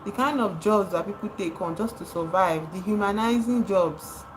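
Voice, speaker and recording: A woman's voice: mid-range voice, normal speed, slight background noise, low-quality recording. A Nigerian woman livestreaming, speaking with passion, repeating words for emphasis and greeting her chat viewers. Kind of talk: live stream commentary.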